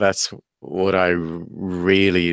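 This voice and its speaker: In a Finnish accent, a man speaks in a very deep, low voice with monotone, flat intonation. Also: dry, close sound with no echo. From Finland. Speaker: language teacher and show host. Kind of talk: casual chat. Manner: halting.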